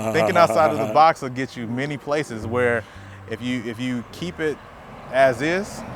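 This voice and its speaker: A man with an American accent speaks at a moderate pace and medium pitch with ordinary pitch variation, over noticeable background noise. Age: 20s. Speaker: real estate student. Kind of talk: interview.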